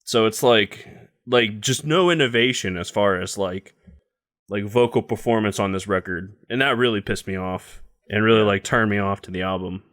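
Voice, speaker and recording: On the low side and fairly bright, this young man's voice moves at normal speed as he co-hosts a podcast. He chats casually and bluntly, saying "like" constantly and cursing without restraint.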